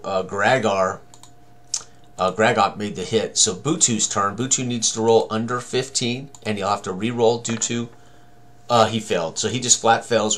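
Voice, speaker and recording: A man in his sixties with a fairly low voice presents a tabletop game walk-through. He speaks casually and thinks out loud, half to himself, with mild exclamations. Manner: talks to himself, exclaims mildly.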